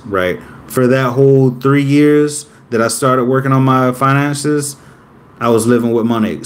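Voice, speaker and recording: A man in his late twenties, talking casually to camera in a rambling way that often corrects itself. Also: medium pitch. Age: 20s. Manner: rambling, self-correcting, upbeat about himself. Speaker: vlogger.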